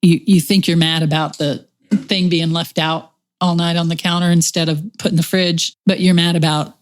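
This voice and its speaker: Gentle Texan woman, lowish voice. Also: little pitch movement, moderate pace. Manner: gentle, reassuring, reflective. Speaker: podcast host. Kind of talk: conversational podcast chat.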